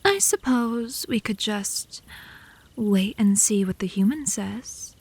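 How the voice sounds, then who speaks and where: A woman's voice: mid-range voice, slow, darkish tone, husky. A woman playing an indignant, lovesick young female vampire, haughty but easily flustered, in a comedic ASMR roleplay. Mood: haughty, sheepish.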